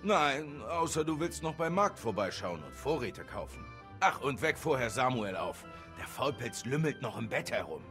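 A man's voice: medium pitch, big pitch swings, normal speed, a bit bright. An actor voicing a stern village father in a medieval video game, grumbling about lazy helpers. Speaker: game character. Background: game music.

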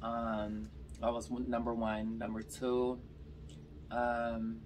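A young woman from Georgia with a slight Californian accent and a slightly raspy voice, chatting casually between bites while eating on camera. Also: a bass voice, completely flat delivery, slow, darkish tone, distant mic, a little hiss or hum. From Georgia, US South. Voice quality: a little raspy. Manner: chatty storytelling between bites, lots of "like" and "y'all". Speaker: mukbang vlogger. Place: bedroom, indoors.

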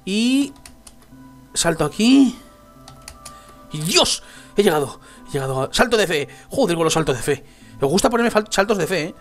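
A young man giving excitable gameplay commentary, yelping and laughing when he falls. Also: sits high, normal speed, long pauses, soft background music. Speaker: Minecraft let's player.

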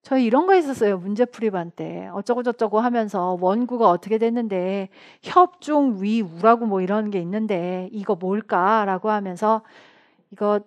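A woman teaching an exam prep lecture in a chatty, animated way. She laughs often and acts out short quoted lines. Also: mid-range voice, normal speed. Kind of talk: online lecture.

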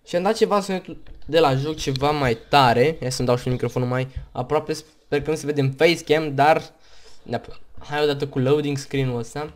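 A man with a Romanian accent giving casual gameplay commentary, chatty and rambling, hiccuping and tired, on a headset mic at home. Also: a little high. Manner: chatty, rambling, talks in bursts between hiccups. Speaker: gaming YouTuber.

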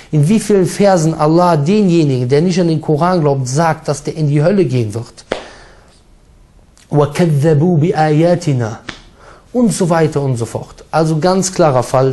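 Man preaching forcefully in a mellow voice. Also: fairly high pitch. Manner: forceful, emphatic preaching with Arabic recitation and mocking impressions. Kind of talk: sermon.

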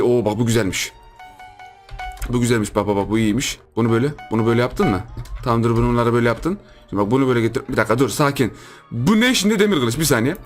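A young man giving casual, joking gameplay commentary, full of exclamations and laughter. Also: medium pitch. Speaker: gaming YouTuber.

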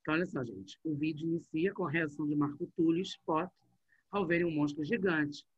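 A middle-aged male teacher, leading an online class in a lively, chatty way and talking straight to his students. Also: a little high, brisk, husky, dry recording. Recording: dull, muffled online class audio.

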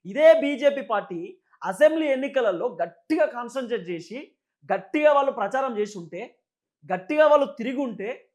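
Very high-pitched, fast-talking Telangana Telugu man. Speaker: political commentator. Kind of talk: unscripted political news commentary.

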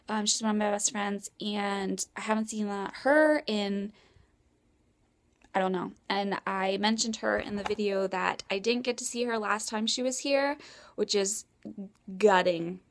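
A young woman chats to her handheld camera in a casual bedroom vlog, her words tumbling out fast and excited. Her mid-pitched voice carries a gravelly fry. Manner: fast, excited, shaky chatter. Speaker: vlogger.

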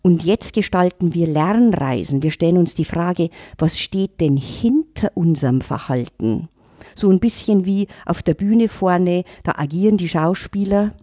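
A woman's voice: fairly low pitch, animated, a little slow, mellow, dry recording, clean studio sound. A middle-aged woman, reflectively telling her story on a podcast. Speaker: intercultural trainer, guest. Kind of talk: casual podcast talk.

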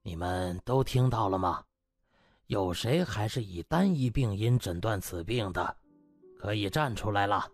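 A man plays a stern elderly hospital director in an audiobook, pitched low. He lectures in a lofty, deliberate way, with faint music underneath. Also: lively intonation, no echo.

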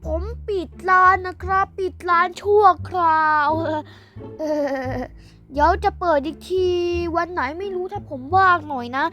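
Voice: extremely high pitch, unhurried, pushed and bright, full character voice. A young performer voicing a polite male shopkeeper who apologizes for closing his toy shop. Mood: apologetic. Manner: polite, apologetic, with many particles. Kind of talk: toy roleplay voice acting.

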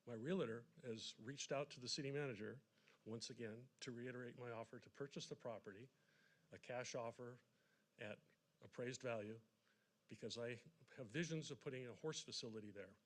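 Man making halting, deliberate public remarks. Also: medium pitch. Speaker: public commenter. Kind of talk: public remarks in a formal but plain register. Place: city council meeting room, at public podium.

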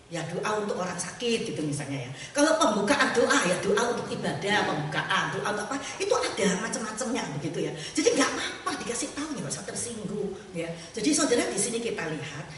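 A woman evangelist preaching a sermon in a church, lively and warm with laughter, acting out the voices she quotes. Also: mid-range voice, a little hiss or hum. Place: church sanctuary. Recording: echoey church hall, mic at a distance.

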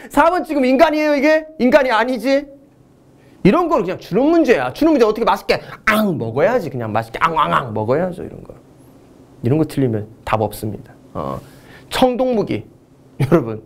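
A middle-aged man teaching an exam prep history lecture, animated and joking, swinging between loud outbursts and mumbled asides. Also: high-pitched.

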